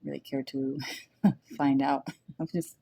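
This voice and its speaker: A woman from Mexico co-hosting a casual podcast chat, soft-spoken and giving brief, agreeing replies. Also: extremely low pitch, flat delivery, slow, gravelly. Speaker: co-host.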